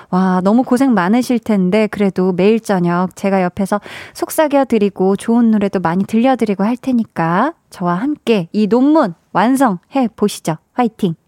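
A woman hosts a late-night radio show, cheerfully reading out listener messages and encouraging them. Her medium-pitched voice is mellow, picked up by a studio microphone in a radio studio with clean, echo-free sound.

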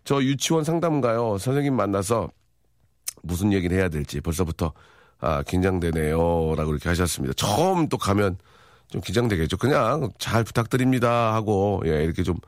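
A man's voice: deep voice, animated, brisk, no room sound, clean studio sound. A man in his forties hosting a radio show, reading listener messages in a playful, jokey chat and acting out little voices.

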